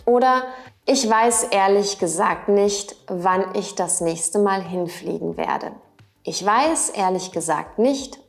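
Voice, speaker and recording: Female language teacher, unhurried, clear delivery, repeats example phrases for learners. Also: fairly low pitch. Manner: careful, repeats example sentences slowly. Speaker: German teacher. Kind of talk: slow, clearly spoken language lesson.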